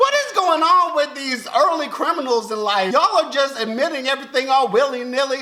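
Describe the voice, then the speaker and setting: A man talks in a raised, projected voice with very wide pitch swings over noticeable background noise. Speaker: YouTuber reading viewer comments. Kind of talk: comedic comment reading. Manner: animated.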